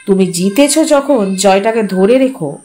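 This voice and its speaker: A woman's voice: medium pitch, animated, unhurried, mellow, lightly acted. A woman reading a stern, aloof father.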